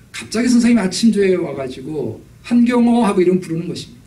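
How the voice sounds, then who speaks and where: The man's voice carries audible room echo, with noticeable background noise behind it. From South Korea (Jeolla, then Seoul and Incheon). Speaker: pastor. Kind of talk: sermon.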